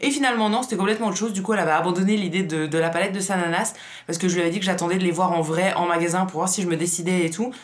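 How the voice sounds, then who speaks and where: A woman's voice: on the low side, steady tone, racing. A woman vlogger who has just woken up, chatting casually with a tired morning voice. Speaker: beauty vlogger. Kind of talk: casual vlog chat.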